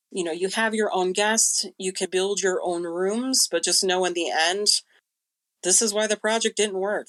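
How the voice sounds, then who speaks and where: A woman's voice: lowish voice, a bit bright. A woman chatting casually and explaining things as a guest on a podcast.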